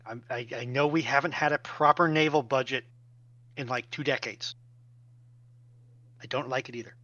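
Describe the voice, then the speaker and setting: Male panelist, mid-pitched, tense bright voice, emphatic explainer, lo-fi sound. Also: steady tone, normal speed, no echo. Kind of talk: informal expert discussion. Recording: dull, band-limited audio.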